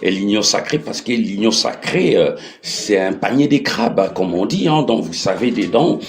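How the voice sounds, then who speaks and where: This Congolese-accented political activist, middle-aged and from the DR Congo, talks as an interview guest in a deep, low register with lively intonation. His explanations are conversational but halting, full of restarted and repeated phrases, and there's slight background noise.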